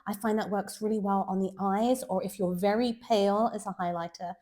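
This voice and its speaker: A woman's voice: mid-range voice, darkish tone. A woman with a nasal, stuffy voice from a cold, chatting enthusiastically through a casual makeup review. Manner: chatty, enthusiastic, gushing about products. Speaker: beauty vlogger. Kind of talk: casual product review walkthrough.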